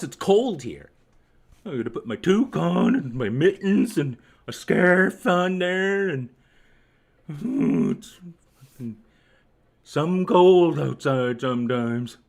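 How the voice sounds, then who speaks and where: A man hosting a live stream, chatting to viewers in a rambling, sarcastic and profane way. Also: a little high. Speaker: livestream host.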